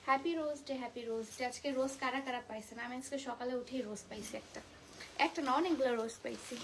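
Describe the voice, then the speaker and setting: Soft-spoken woman selling saris live. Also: sits high, fast talker, slight background noise, poor audio. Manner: speaking softly, mixing English words into Bengali. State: suffering a migraine. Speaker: live sari seller. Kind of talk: live-stream sales chat.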